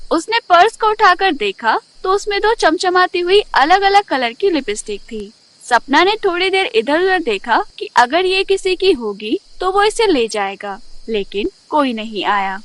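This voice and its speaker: A woman tells a children's fairy tale from a script. Her voice is very high and animated in its melody, and the recording is dry with no room sound. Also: measured pace, no room sound. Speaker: storyteller, narrator.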